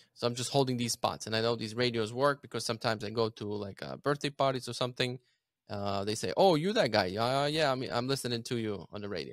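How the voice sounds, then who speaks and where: A man with a Ukrainian accent speaks at a very fast pace in a medium pitch with ordinary pitch variation, in a very clean recording with a silent background. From Ukraine. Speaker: real estate team leader. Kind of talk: interview. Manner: halting.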